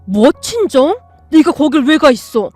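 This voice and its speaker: A woman's voice: high voice, big pitch swings, unhurried, a little mellow, dry recording, faint music behind. A woman voicing an angry, protective older father-in-law who scolds in a raised voice. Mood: stern, indignant.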